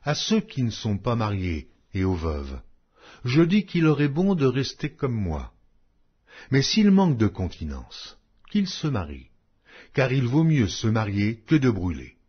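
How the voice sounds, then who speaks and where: A man's voice: medium pitch, wildly swooping pitch, measured pace, husky. A man narrating a Bible audiobook in a solemn, declamatory way, reading scripted text with emphatic phrasing. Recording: dull, lo-fi audio.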